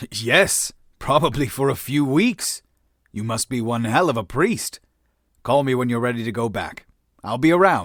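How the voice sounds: A man uses a put-on character voice at a medium pitch, leaving long, frequent pauses. The recording is very clean, with a silent background. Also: moderate pace.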